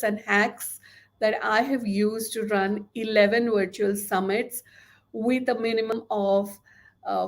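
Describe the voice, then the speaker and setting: Upbeat Indian woman pitching a course. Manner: enthusiastic and encouraging, gesturing with both hands. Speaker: course host. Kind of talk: webinar sales pitch. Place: small room indoors. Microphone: webcam at desk.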